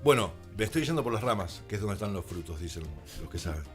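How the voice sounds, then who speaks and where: An Argentine man, the creator of a radio drama, tells anecdotes as a guest in a conversational radio interview, acting out reported dialogue as he goes. His voice is fairly low and expressive, he talks fast, and faint music plays behind him.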